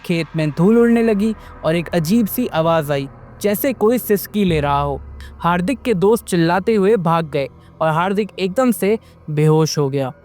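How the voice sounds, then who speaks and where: A male storyteller narrating a scripted horror-fantasy tale. His voice sits high for a man and his delivery is lively and dramatic. Faint music plays under him. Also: moderate pace.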